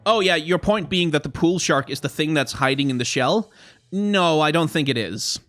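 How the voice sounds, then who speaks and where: Slightly hoarse man streaming casually. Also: on the high side, animated, moderate pace, a bit bright, no echo, soft background music. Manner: chatty, rambling, reacts to chat. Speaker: streamer reviewing card art. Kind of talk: casual live stream commentary.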